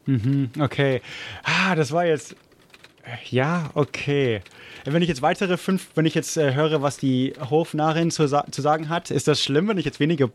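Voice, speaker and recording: A man with a fairly high voice chats as the player in a detective game. He thinks aloud casually, tentative and halting.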